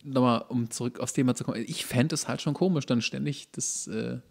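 Male co-host, medium-pitched, dry delivery, halting casual comedy talk. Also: gravelly, a little mellow. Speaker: podcast co-host.

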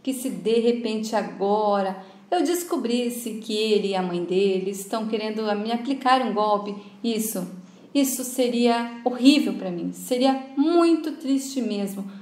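A woman's voice: fairly high pitch, unhurried, a little mellow, echoey room, lightly acted. Woman quoting an earnest, worried grandfather. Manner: earnest, insistent. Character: earnest wealthy older man, worried grandfather.

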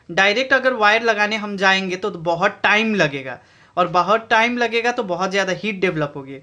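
A man's voice: sits high, sharp tone. A man with an Indian accent explaining step by step how to build a battery pack, switching between Hindi and English, while filming his workbench on a phone. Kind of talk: DIY tutorial. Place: indoor workbench.

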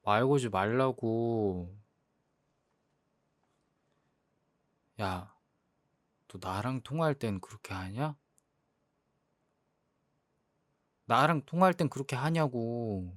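A man's voice: medium pitch, lively intonation, unhurried, no echo, natural voice. A young man playing a jealous boyfriend in a role-play drama, sulky and exasperated. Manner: sulky, hurt, exasperated complaining.

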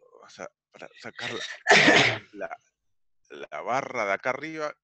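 A man in his forties with an Argentine Rioplatense accent, giving a virtual coaching class on a video call with a headset, halting with many fillers and repeated words. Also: mid-range voice, lively intonation, bright, forceful tone, no room sound. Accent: Rioplatense Spanish. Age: 40s. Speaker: online business coach. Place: home room on a video call.

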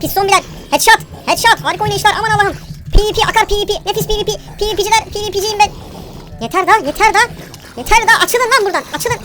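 A woman commentating her own gameplay live, brash and bossy, yelling slangy orders at the game's monsters. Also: very high-pitched, rapid-fire, noisy background.

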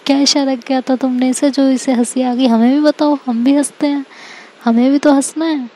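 A woman's voice: sits high, fairly even intonation, normal speed, warm tone. A woman voicing a curious, pushy middle-aged mother coaxing her daughter to speak up. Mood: prying. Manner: prying, coaxing.

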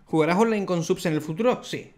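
A young man, chatting excitedly and laughing often as he plays through a video game. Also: sits high, quick pace. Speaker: gaming YouTuber. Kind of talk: let's play commentary. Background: faint game music.

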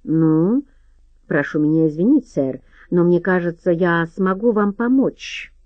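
A woman's voice: lowish voice, animated, a little slow, dry recording, muffled recording. A woman reading a polite, deferential small manservant. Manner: pleasant, submissive, polite.

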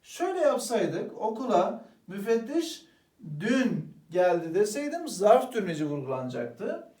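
Lively high-voiced man teaching grammar. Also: measured pace, distant mic. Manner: lively, addresses students as "arkadaşlar", asks and answers own questions. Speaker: Turkish language teacher. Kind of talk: exam-prep grammar lesson. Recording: roomy echo, voice a bit off-mic.

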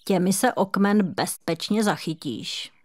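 Female reader as a warm-hearted squirrel in a storybook; gentle, encouraging, motherly. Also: medium pitch, natural voice. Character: cheerful, kind rust-red female squirrel. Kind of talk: children's audiobook reading.

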